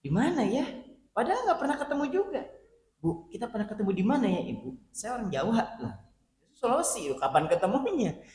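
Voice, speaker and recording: A male preacher giving an animated sermon to a women's study group, acting out quoted voices as he talks to them directly. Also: sits high, a little fast. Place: mosque hall. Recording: roomy mosque hall, faint background hum.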